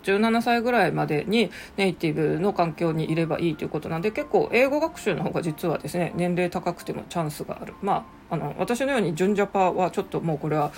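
A woman's voice: fairly low pitch, lively intonation, fast, hardly any pauses, a little mellow, slight background noise. Chatty Japanese-speaking woman teacher. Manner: chatty, frequent fillers and asides. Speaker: English teacher and podcaster. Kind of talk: casual solo talk.

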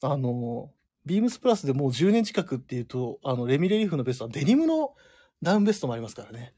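A man's voice: mid-range voice, big pitch swings, dark tone. A man hosting a live radio show in a studio, chatting casually and joking with a guest. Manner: fast, joking, laughs often. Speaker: radio host.

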